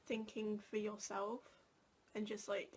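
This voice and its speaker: A woman's voice: medium pitch, monotone, unhurried, breathy edge. A young adult woman co-hosting a casual chat, reading out viewer questions and answering them thoughtfully. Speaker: co-host.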